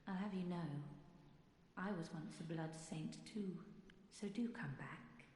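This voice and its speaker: Game character: a woman voicing a frail, grateful patient; slow, soft and breathy, set in an echoing hall with faint hiss. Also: lowish voice, close to an everyday voice. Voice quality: breathy, half-whispered. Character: frail bedridden female patient, once a blood saint, eager to please. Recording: echoey game audio with long reverb and faint noise.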